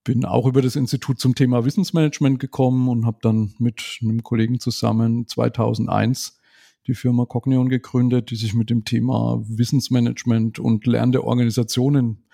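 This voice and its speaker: A man in his forties answering interview questions in a measured, reflective way. His voice has a gravelly edge and a dark, relaxed color. He often ends his points with a small questioning tag. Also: mid-range voice. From Germany. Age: 40s. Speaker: podcast guest. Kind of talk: casual conversational interview.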